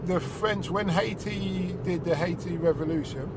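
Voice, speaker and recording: A man with a slightly raised voice hosts a casual podcast from his parked taxi, often restarting his sentences as he talks. He was recorded on a mic inside the car, and traffic noise comes through clearly. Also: high voice. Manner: chatty, with quick restarts. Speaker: taxi driver and podcast host. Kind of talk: casual chat. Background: car and street noise.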